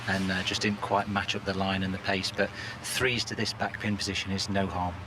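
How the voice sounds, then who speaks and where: A man giving analytical golf commentary in a conversational, measured way. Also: low-pitched, flat delivery. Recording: clear outdoor background noise and hum.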